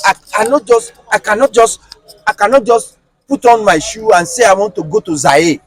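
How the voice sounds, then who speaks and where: A Nigerian man with a Nigerian accent, speaking as an interview guest in casual conversation, animated and emphatic, firing rhetorical questions. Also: high-pitched, moderate pace, no room sound.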